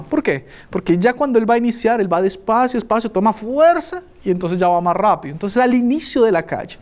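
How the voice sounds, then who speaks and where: A man from Colombia preaching a sermon, telling a childhood story with lively acted-out voices. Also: high-pitched. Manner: animated storyteller acting out voices.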